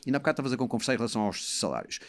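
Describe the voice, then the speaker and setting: A man's voice: mid-range voice, sing-song, very fast. A man in his fifties or early sixties with a Lisbon Portuguese accent, giving opinions as a panel commentator and often repeating words and syllables. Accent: European Portuguese, Lisbon. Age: 50s to early 60s. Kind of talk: opinionated discussion.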